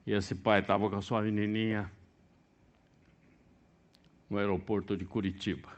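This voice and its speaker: A middle-aged man from Brazil preaching a sermon, swinging between sudden loud, high bursts and quiet, low asides. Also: flat delivery, moderate pace. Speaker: pastor.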